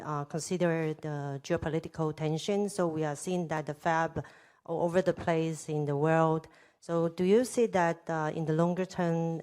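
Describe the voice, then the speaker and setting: Woman, low voice, polite, financial analyst questioning executives. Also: darkish tone. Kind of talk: earnings call question.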